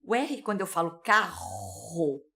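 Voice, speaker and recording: Animated, unhurried Brazilian woman teaching. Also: lowish voice, vocal fry, husky. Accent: São Paulo Brazilian Portuguese. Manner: explanatory, with frequent "né?" and "tá?" check-ins. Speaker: English teacher. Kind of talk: pronunciation lesson.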